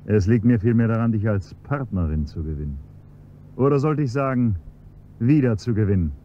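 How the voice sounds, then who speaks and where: An actor playing a scheming chauffeur who slides from servile politeness into cold, mocking blackmail, on a dull, faintly hissy radio-play recording. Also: male voice, fairly low pitch, lively intonation, moderate pace, dark tone, natural voice. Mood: menacing. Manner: polite and servile, then coolly mocking and menacing. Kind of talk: 1970s-style German radio play acting.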